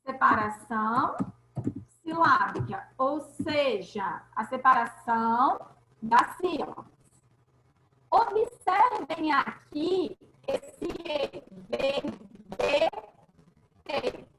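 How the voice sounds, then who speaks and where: High-voiced woman teaching slowly. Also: lively intonation, roomy sound, noisy background. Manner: explains step by step, checks in with students. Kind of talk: online class lecture.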